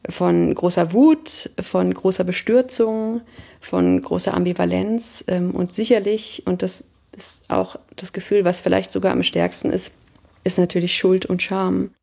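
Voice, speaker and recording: A woman in her thirties from Germany, speaking thoughtfully in an interview, pausing and searching for words. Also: on the low side, fairly even intonation, creaky, dark tone. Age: 30s. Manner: thoughtful, searching, pauses with hesitations. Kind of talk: reflective personal interview.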